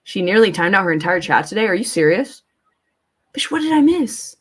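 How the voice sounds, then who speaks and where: A woman with a medium-pitched voice talks casually as the host of a livestream. She rambles and thinks aloud, reacting as she goes. Her language is blunt and informal, with plenty of swearing. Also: very animated, fairly quick, slightly rough. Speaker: live streamer, host. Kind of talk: casual livestream chat, commentary, reading viewer comments aloud.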